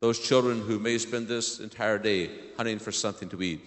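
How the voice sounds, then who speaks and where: A man's voice: lowish voice, steady tone, brisk. A man with an American accent, a priest giving a simple homily addressed to children in church. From southern Illinois, United States. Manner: simple questions to children, repeats their answers. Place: large indoor church. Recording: echoey church hall, long reverb.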